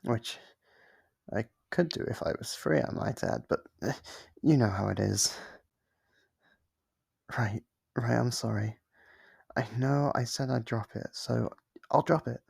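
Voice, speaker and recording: A man voicing a lonely, clingy sealed demon who is sweetly manipulative, in an ASMR roleplay with soft-spoken, wheedling talk. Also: medium pitch, unhurried, gravelly, long pauses, breathy edge, no room sound, clean studio sound, exaggerated voice. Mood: tender.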